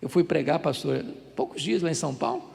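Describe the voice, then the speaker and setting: Brief: older Brazilian man preaching, high animated voice with gravelly edge, loud emphatic peaks, long hall reverb. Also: brisk. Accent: Brazilian Portuguese. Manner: storytelling preacher, acts out dialogue, grows loud and emphatic. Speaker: pastor. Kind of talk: sermon.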